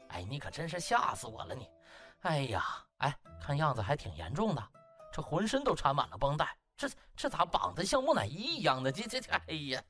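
A man's voice: a little high, fairly bright tone. A man voicing a smug, brash young male doctor who gloats and chuckles with fake friendliness in a comic audiobook. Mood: mock concern. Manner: gloating, chuckling, exaggerated exclamations. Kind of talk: comic audiobook character acting.

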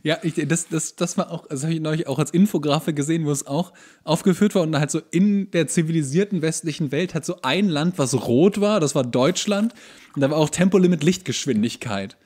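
A man's voice: a little high, fairly quick, darkish tone. A man co-hosting a podcast in casual comedic chat, ranting with sarcasm and exasperation. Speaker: podcast host.

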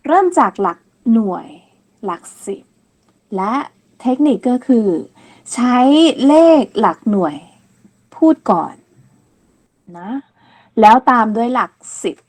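A woman giving a patient counting lesson, repeating each word slowly and clearly and ending phrases politely. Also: medium pitch. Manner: polite, ends phrases with soft particles. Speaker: language teacher. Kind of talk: slow step-by-step counting lesson.

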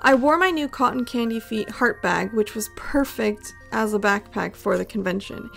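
Playful woman vlogger with gravelly fry. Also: a little high, moderate pace, soft background music. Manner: chatty, playful. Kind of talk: voice-over narration. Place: home voice-over recording.

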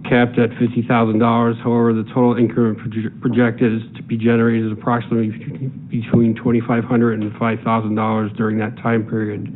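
A man serving as a city director, reading a staff report to the council in a flat, measured way. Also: mid-range voice. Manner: flat, measured, reads figures aloud. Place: large city council chamber, indoors. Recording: tinny, phone-like sound with faint room noise.

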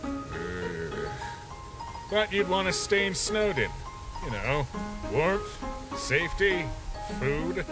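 Man as a wry skeleton sentry under loud music. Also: on the high side, big pitch swings, poor audio. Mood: wry, guarded. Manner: casual, wry, unhurried drawl. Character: laid-back, gruff male skeleton monster sentry. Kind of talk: dramatic comic dub.

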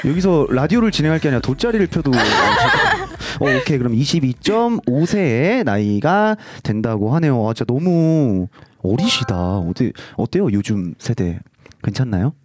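Playful young male host, lively pitch. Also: normal speed, slight background noise. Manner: playful, laughs often, teasing. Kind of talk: casual radio-style interview. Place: bright studio with guests. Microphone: handheld mic.

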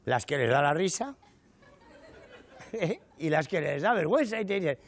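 Fast and very animated, with a slightly high voice, a middle-aged man with a Canary Islands Spanish accent delivers stand-up on a studio stage. He exaggerates his stories indignantly and keeps directing rhetorical asides at the live audience.

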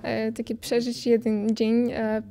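Young woman, halting and flat. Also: on the high side. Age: young adult. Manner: halting, searching for words. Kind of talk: interview answer. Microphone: handheld interview mic.

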